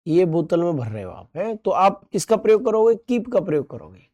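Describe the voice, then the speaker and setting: A man teaching an online exam-prep lesson, playful and joking with students' comments, drilling terms by repeating them and asking quick questions. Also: high-pitched, very animated, dark tone.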